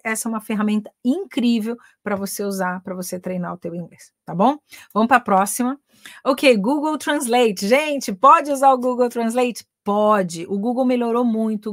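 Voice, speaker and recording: A woman's voice: medium pitch, no room sound, studio quality. Chatty Brazilian woman teaching English. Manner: chatty, talks straight to viewers with frequent checks like "tá?". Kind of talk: online English lesson.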